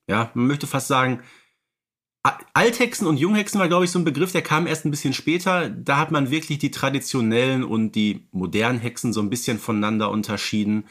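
A man of middle pitch co-hosts a casual fan podcast. He talks in a searching, hesitant way, often stopping to find a word or correct himself. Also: brisk, fairly bright tone. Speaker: podcast co-host.

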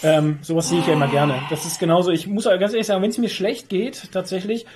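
A man's voice: high voice, fairly even intonation, fast talker, noisy background. A man co-hosting a podcast in casual chat, telling stories in a slangy, crude, jokey way. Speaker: podcast co-host.

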